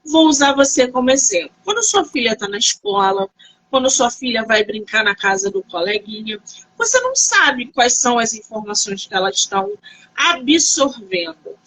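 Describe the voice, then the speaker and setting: A woman hosting an interview, asking questions in a warm, encouraging manner. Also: fairly high pitch, sing-song, moderate pace, rough recording. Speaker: interview host. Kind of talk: casual interview over a live stream.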